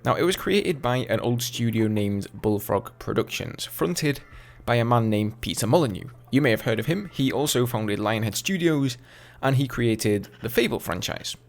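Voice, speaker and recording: A man in his twenties with an English accent, casually answering viewer questions over gameplay footage in a relaxed, chatty way. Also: mid-range voice, moderate pace, vocal fry. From England. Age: 20s. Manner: chatty, relaxed, with fillers and asides. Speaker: gaming YouTuber.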